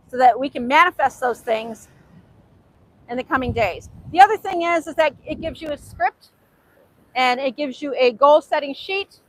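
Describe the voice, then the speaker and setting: A woman's voice: high-pitched, fairly bright tone, rough recording. A woman with a Hungarian accent, whose first language is Hungarian, giving an earnest faith-based talk outdoors at a beach. She repeats herself often and overpronounces her words with care. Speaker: author and host. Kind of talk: motivational faith talk to camera.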